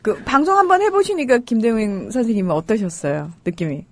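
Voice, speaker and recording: A woman hosting a radio talk show interview, chatty and quick to laugh. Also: a little high, no echo. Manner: lively, chatty, laughs often. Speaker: host.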